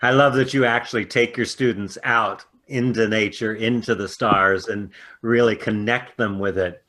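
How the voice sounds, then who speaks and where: A man's voice: on the low side, fairly even intonation, moderate pace, fairly bright tone. A man interviewing a guest, asking open questions and murmuring agreement while the guest speaks. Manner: affirming, with short murmured agreement.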